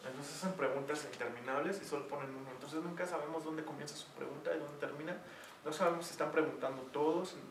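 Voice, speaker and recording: A man's voice: on the high side, fairly even intonation, fast talker. Mexican guy tutoring, lots of fillers, roomy echo and noise behind, sits back from the mic. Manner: chatty, uses many fillers. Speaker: teacher. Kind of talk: online tutoring session. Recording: echoey room, distant mic, noisy.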